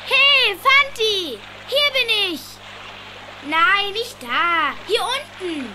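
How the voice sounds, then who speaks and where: Tiny feisty cartoon critter, extremely high voice, loud noise behind. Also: expressive, drawn-out words, exaggerated voice. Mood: indignant. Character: tiny, feisty, hard-working animal hero. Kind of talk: animated film radio play dialogue.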